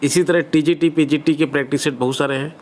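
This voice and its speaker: A man's voice: on the high side, steady tone, fast, darkish tone, slight background noise. A man with a Hindi accent giving exam-preparation advice to students in a direct, conversational teaching style with everyday examples. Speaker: online exam-prep teacher.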